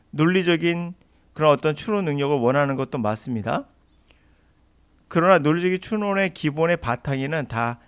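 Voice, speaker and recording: A man teaching an English lesson in an emphatic, argumentative lecture style. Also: on the high side.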